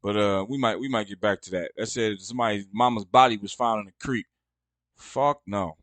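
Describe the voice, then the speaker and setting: A man's voice: lowish voice, a little fast, a bit bright, dry recording. A man hosting a podcast, delivering a casual, profane, mocking rant full of exasperation. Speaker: podcast host. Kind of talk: casual ranting commentary.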